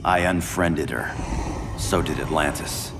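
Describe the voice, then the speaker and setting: A man voicing a cocky male space cop hero who tosses off dry quips, with loud music behind. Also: a bass voice, measured pace, vocal fry, very noisy, full character voice. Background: loud orchestral score.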